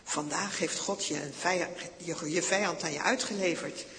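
A man's voice: on the high side, normal speed, bright, forceful tone, in a large hall. A man voicing the soldier Abisai, urgent and eager.

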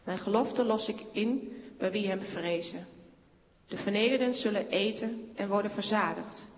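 Woman, scripture reading, solemn measured delivery, reverb of a large hall. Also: medium pitch. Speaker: scripture reader. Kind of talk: reading scripture aloud in church.

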